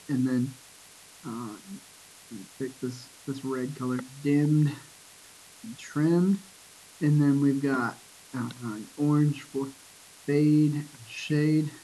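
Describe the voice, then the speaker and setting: A man teaching a poetry lesson in a relaxed, casual way, with lots of ums and restarts, reading verse lines slowly. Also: medium pitch, a little hiss or hum, low-quality recording. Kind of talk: casual screen-recorded lesson.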